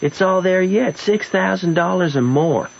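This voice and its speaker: A man's voice: high voice, moderate pace, vocal fry, highs cut off, slight background noise. Eager, lighter-voiced Southern boy. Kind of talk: radio drama acting.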